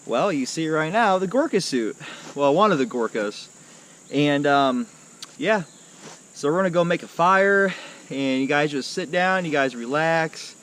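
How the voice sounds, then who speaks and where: Halting, folksy man chatting, slightly high voice. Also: a bit bright, slight background noise. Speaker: vlog host. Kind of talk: casual vlog chat to viewers.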